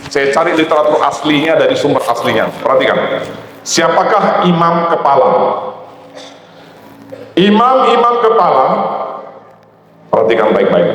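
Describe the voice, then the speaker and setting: A man with an Indonesian accent preaching a sermon as pastor, acting out dialogue and sometimes shouting to rouse the congregation. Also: mid-range voice, a little hiss or hum. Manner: animated, acts out dialogue, shouts to wake the congregation. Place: large church hall. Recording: echoey church hall, faint ambience.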